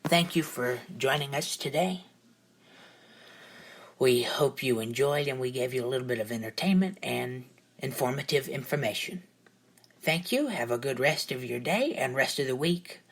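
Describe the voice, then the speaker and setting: A woman's voice: rumbling low, lively intonation, moderate pace, slightly rough. A woman hosting a podcast interview who thanks her guest and closes the show in a friendly way. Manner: friendly, brief affirmations. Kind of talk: interview wrap-up and sign-off.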